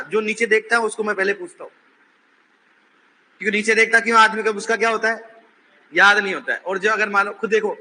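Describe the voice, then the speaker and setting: A man's voice: high-pitched, a little hiss or hum. A male teacher lecturing a classroom, quizzing and teasing his students and raising his voice to drill the answers. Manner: says he is shouting while teaching.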